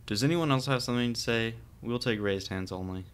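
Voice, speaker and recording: A man's voice: mid-range voice, brisk, clear, resonant tone, natural voice. A man playing an earnest, placating small-town councilman speaking politely in an audio drama.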